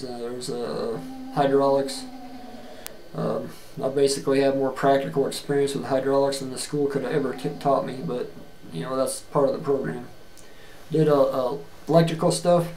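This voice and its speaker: A middle-aged man giving a plain-spoken, earnest video resume, halting often with fillers and restarts, recorded on a webcam in a small room. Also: medium pitch, a little mellow, slight background noise. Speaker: job seeker. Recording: echoey room with faint ambience.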